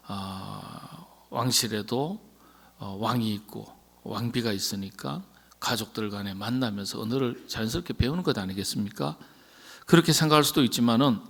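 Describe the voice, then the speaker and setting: A man's voice: medium pitch, fairly bright tone. Man, middle-aged pastor, midweek sermon, casual questions to the congregation, ends of phrases sometimes whispered. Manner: conversational, asks the congregation questions and answers himself. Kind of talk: sermon at a Wednesday prayer meeting.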